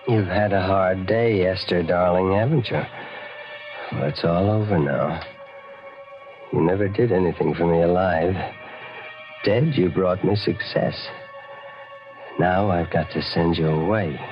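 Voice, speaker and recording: An actor playing a nervous, lonely window dresser turned killer in old-time radio horror, speaking hesitantly with stammers. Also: male voice, deep voice, a little slow, pauses often. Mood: bitter tenderness. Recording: muffled vintage radio, organ music behind.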